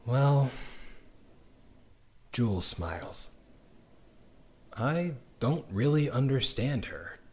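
A man playing a weary, wry young underground dweller in an audio drama, speaking in an intimate, reflective and halting conversational monologue. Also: mid-range voice. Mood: bitter, puzzled. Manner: reflective, halting, with sardonic little laughs and sighs.

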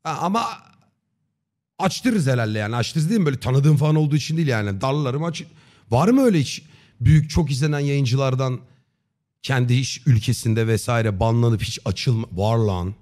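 A man in his thirties chatting casually on a livestream in a slangy, joking, deadpan way. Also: medium pitch, brisk. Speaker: live streamer. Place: dim indoor streaming room. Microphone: close desk microphone with headset on.

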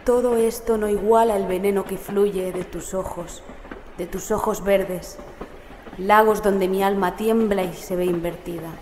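Uneasy female narrator, acted by a woman, horror audiobook, mid pitch, echoey, metro train rumbling behind. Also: steady tone, unhurried, a little mellow, lightly acted. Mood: uneasy, measured. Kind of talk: dramatic first-person audiobook narration. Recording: echoey, clear train ambience noise behind. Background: metro train ambience.

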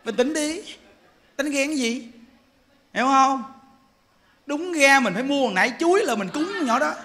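Brief: forties monk, high bright voice, joking sermon. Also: male voice, normal speed, slight background noise. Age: 40s. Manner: animated, joking storyteller. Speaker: Buddhist monk teacher.

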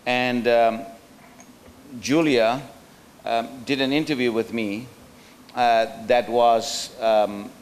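Slight background noise accompanies this mid-range male voice: a middle-aged South African presenting slides at a roundtable, standing at a podium mic in a hotel function room, hesitant and reflective with frequent fillers and false starts.

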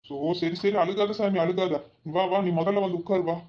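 A man's voice: sits high, level tone, moderate pace, a little hiss or hum, lightly acted. A man voicing a doting, protective village brother in a cartoon, soothing and fussing with repeated endearments. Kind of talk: cartoon voice acting. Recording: dull lo-fi audio.

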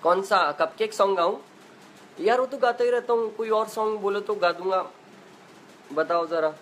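A young man with a slightly high voice hosts a casual phone live chat from his home. He reads viewers' comments aloud and chats back in a loose, talkative way, full of fillers and easy laughs. A faint hiss sits under the recording. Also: moderate pace, fairly bright tone, low-quality recording. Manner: chatty, laughs easily, uses filler 'matlab' and 'yaar'. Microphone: phone in selfie view.

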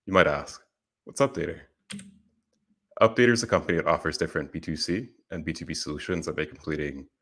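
A young man from Puerto Rico giving a prepared conference presentation, earnest and steady, speaking into a headset in a small room. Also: very deep voice. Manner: earnest, steady explanatory delivery.

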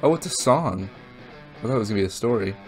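A man's voice: on the low side, animated, fast, faint music behind. A young man talking casually as the host of a reaction video. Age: young adult. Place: small room at home, indoors.

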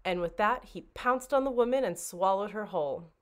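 A woman reading a children's storybook aloud like a librarian, with expressive, dramatic narration. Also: medium pitch, normal speed.

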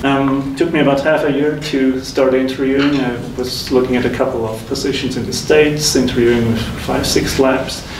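A man in his thirties from Switzerland, a faculty guest recounting his career path in a measured, reflective way. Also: medium pitch, level tone. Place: lecture room with whiteboards. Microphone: room mic from a distance. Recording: echoey room, distant mic, noisy.

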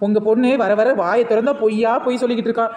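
Brief: quick, mocking woman, Kanyakumari Tamil accent, reverberant sound. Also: a little high, steady tone, dark tone. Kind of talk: comic family skit.

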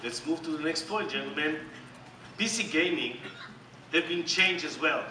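A middle-aged man with an Israeli accent giving an animated, joking keynote presentation on stage. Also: on the high side, moderate pace, far from the mic, slight background noise. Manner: animated, joking, emphatic and repetitive. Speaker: company executive presenting on stage. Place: large dark conference hall with audience. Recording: echoey hall recorded from the audience.

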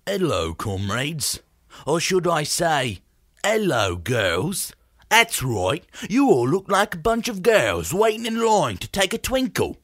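Nasty cockney boss yelling down at his crew, mocking, swoopy pitch, dry. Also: wildly swooping pitch, takes it slowly, no room sound, full character voice. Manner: mocking, threatening, barking. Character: bullying masculine Cockney boss barking at crew.

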